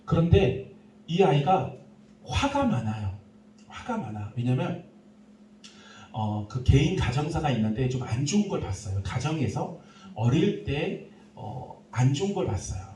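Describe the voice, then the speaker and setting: A middle-aged pastor preaching, his slightly raised voice swinging widely as he tells lively stories. He is heard from a distance in a reverberant church, with a faint hiss behind him. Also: fairly high pitch, a little slow. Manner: lively anecdotal storytelling, laughing through it. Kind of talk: sermon. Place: church sanctuary. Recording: echoey room, speaker far from mic.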